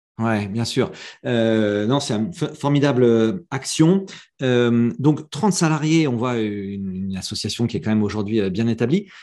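A man's dark, mellow voice at medium pitch, lively in intonation and fairly slow, over a quiet background. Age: 40s. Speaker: podcast host. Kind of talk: interview. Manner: halting.

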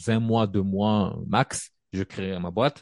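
The man's voice has a dry, close sound with no echo, set against a quiet background. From Comoros, Moroni. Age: 30s. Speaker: finance professional. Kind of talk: interview. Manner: hesitant, many fillers.

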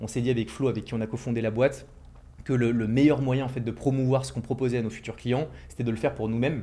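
A man talks very fast at a medium pitch. His tone is dark and mellow, and his intonation is a flat monotone. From Paris region, France. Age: 30s. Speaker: entrepreneur, video agency founder. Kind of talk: interview.

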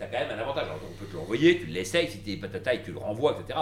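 A man's pitch swings very widely as noticeable background noise sounds behind him. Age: 50s. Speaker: entrepreneur. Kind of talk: interview.

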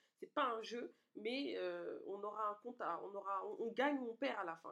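Moderately paced speech from a woman, her pitch variation ordinary. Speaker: podcast host and mindset coach. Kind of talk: interview. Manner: animated. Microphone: poor, hard to hear.

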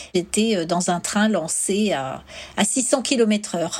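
A woman with a medium pitch and ordinary pitch variation talks at a very slow pace. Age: 60s. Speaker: retiree and cancer survivor sharing her story. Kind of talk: personal testimony. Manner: smiling, light-hearted.

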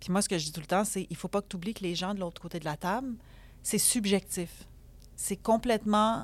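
Recorded very cleanly against a silent background, a woman has an ordinary speaking voice at medium pitch with fairly even intonation. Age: 50s. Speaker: choreographer and dance school founder. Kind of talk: casual interview.

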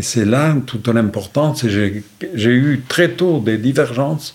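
A man at a medium pitch, very slow, with ordinary pitch variation. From Aubrac plateau, Aveyron, southern France. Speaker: livestock farmer and retired regional politician. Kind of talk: interview. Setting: at his home. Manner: halting with repetitions.

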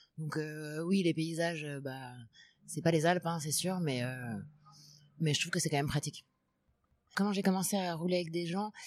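A woman with a very deep, low pitch speaks with long, frequent pauses. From Paris, France. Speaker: amateur ultra-distance cyclist. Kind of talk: casual interview. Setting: café.

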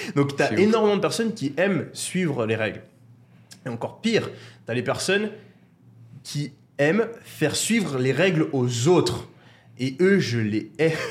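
Somewhat breathy, a man speaks at a fairly high pitch with very wide pitch swings. His pace is fairly slow, with long, frequent pauses. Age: 20s. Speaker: podcast host. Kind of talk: casual chat.

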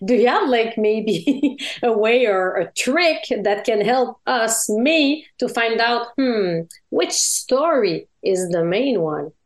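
Speaking very slowly with a Quebec French accent, a woman uses a fairly high pitch, lively intonation and very even loudness. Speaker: podcast host, entrepreneur. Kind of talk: interview.

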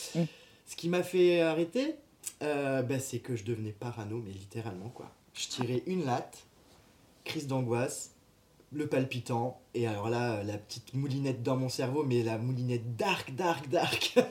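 Speaking at a fairly slow pace, a man has an ordinary speaking voice. His pitch is medium, with ordinary variation. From France, Eure-et-Loir. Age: 30s. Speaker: family constellation therapist. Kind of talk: casual interview.

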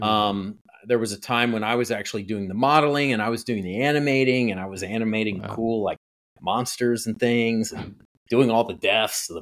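In an American accent, a man has a normal speaking voice, medium in pitch, with fairly even intonation. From US Midwest (Ohio and Wisconsin). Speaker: filmmaker and film professor. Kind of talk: interview.

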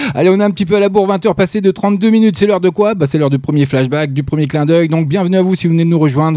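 The intonation is lively over noticeable background noise. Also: man. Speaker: radio host. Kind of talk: live web-radio DJ patter, upbeat show intros and song back-announcements. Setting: live radio broadcast, studio. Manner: chatty, energetic, improvised, stumbling over words and admitting his slips; fast, jokey, hype-style teasing of the playlist and giveaways.

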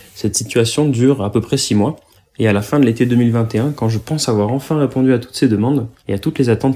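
A man speaks at a very fast pace in a medium pitch. His tone is dark and mellow, with fairly even intonation. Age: 30s. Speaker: physics PhD student and Buddhist practitioner. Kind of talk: testimony.

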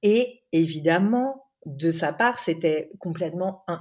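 A woman with a fairly low pitch and ordinary pitch variation speaks in a normal speaking voice. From France. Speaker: yoga teacher. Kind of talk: interview testimony.

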